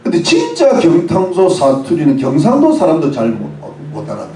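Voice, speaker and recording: A man's voice: a little high, wildly swooping pitch, a little fast, mellow, roomy sound, recorded from a distance, a little hiss or hum, low-quality recording. A man preaching a sermon as pastor, explaining words one by one with English phrases and asking the congregation questions. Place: church.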